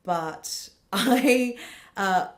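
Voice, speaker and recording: A woman's voice: medium pitch, expressive, extremely slow. An Australian woman in her thirties, a comedian chatting as a podcast guest, rambling with lots of laughter. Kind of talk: casual interview chat.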